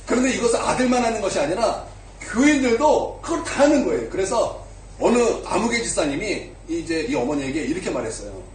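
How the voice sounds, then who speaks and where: Here the preacher's voice sits high and sounds very animated and brisk while he recounts a story, performing the characters' voices and occasionally asking the congregation something. It's recorded from a distance in a reverberant church hall, with a little hiss or hum.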